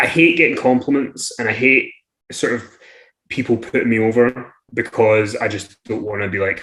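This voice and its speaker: A man speaks with a strong Scottish accent. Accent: thick Scottish. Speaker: wrestling interviewer and podcaster. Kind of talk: interview conversation.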